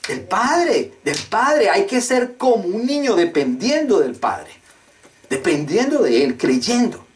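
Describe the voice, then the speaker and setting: A man's voice: sits high, big pitch swings, slow pace, slight background noise. A male pastor preaching a sermon with emphatic, emotional delivery, repeatedly throwing questions at his congregation. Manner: rhetorical call-and-response questions.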